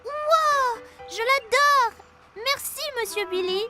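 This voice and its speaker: Woman doing a squeaky excitable little cartoon boy. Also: slow, exaggerated voice. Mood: delighted. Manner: exclamatory, childlike. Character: excitable four-year-old boy, eager and sweet. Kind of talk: cartoon character dub. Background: background music.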